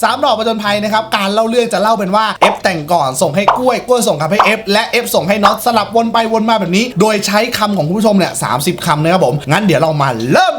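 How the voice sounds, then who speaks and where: A man's voice: high voice, a bit bright. A young man hosting and telling an improvised story in a playful way, teasing his friends. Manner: playful, swears at friends, laughs often. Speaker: host and storyteller. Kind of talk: casual improvised storytelling chat.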